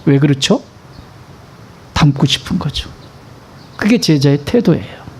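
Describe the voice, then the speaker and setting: Man, pastor, sermon, high voice, swooping intonation, emphatic, asks questions. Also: animated, unhurried, husky. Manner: conversational, asks the congregation questions.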